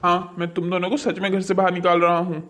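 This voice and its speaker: High-pitched exasperated cartoon father acted by a man. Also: completely flat delivery, fast talker, a bit bright. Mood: stern. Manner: scolding, sarcastic, indignant. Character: exasperated, stern father scolding his foolish boys. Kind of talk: Hindi cartoon moral-story dialogue.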